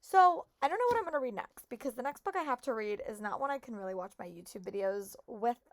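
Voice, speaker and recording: A young woman with a hoarse voice, chatting casually and upbeat to viewers in a reading vlog. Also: a little high, expressive, fast talker, no echo. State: hoarse, voice shot. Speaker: book vlogger.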